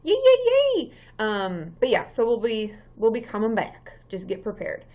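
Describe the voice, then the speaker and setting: A woman in her thirties with a slightly hoarse voice, a therapist chatting casually on a live stream, greeting viewers by name with many ums. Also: a little high, wildly swooping pitch, unhurried, a little mellow, dull audio.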